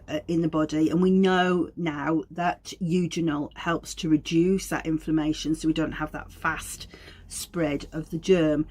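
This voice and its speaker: A woman from Wolverhampton, England, with a Black Country accent, hosts and teaches aromatherapy. She gives viewers an informal educational talk, explaining in a chatty, self-deprecating way, her low voice carrying a darkish tone.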